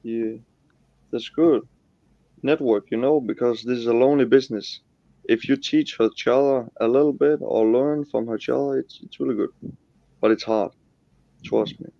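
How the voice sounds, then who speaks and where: A man's voice: mid-range voice, steady tone, normal speed, gravelly, pauses often, no echo. A man in his twenties from Denmark, a Danish speaker talking English in a rambling, blunt way on a livestream. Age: 20s. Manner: rambling, blunt, restarts often. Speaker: streamer guest. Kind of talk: casual livestream chat. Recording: muffled lo-fi stream audio.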